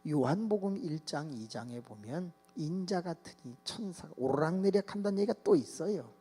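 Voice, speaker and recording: A male pastor delivering a sermon, telling stories with lively energy and acting out children's voices and shouts. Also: on the high side, moderate pace, husky. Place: church sanctuary. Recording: long hall reverb with mains hum.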